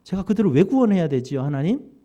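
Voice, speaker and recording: A man's voice: sits high, big pitch swings, fast, mellow, muffled recording. A male pastor voicing an aged Moses who pleads and complains to God in a sermon. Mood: pleading.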